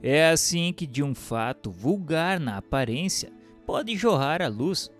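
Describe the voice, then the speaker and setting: A man narrates a formal text in a measured, deliberate way. His voice sits a little high and rises and falls in wide, lively swings. Soft music plays faintly beneath the reading. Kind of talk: scripted reading of a spiritist book.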